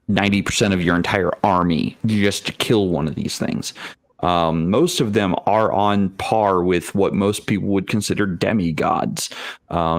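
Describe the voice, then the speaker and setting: A man in a casual gaming discussion, explaining his ideas in halting, thoughtful phrases. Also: low voice, no room sound. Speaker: tabletop gaming show host.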